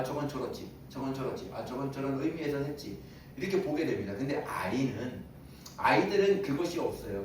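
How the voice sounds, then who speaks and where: A man's voice: medium pitch, darkish tone, a little hiss or hum. A male pastor giving a Sunday sermon in a conversational way, asking his congregation questions and chuckling now and then. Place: church sanctuary. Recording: very echoey room, voice from a distance.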